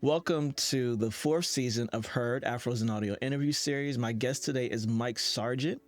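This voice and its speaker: A man's voice: medium pitch, moderate pace, soft background music. A man hosting an interview in a conversational style. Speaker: interview host.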